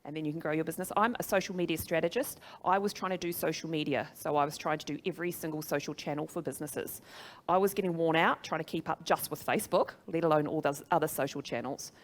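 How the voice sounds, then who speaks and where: A middle-aged New Zealand woman with a low voice talks fast, and there's a little hiss or hum in the recording. She's a social media trainer and speaker presenting to a live audience, conversational and emphatic, often asking her listeners questions.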